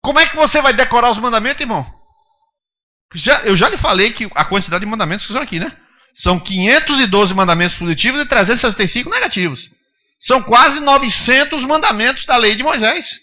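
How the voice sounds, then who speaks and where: A man's voice: very high-pitched, animated, fast talker, sharp tone, highs cut off. A male pastor preaching a sermon, emphatic, pressing the congregation with rhetorical questions.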